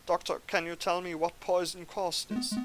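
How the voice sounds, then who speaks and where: A man plays a nervous young bird lawyer in a story game. The voice is fairly high and flustered, with music loud beneath. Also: fairly even intonation, normal speed, lightly acted, poor audio. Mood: anxious.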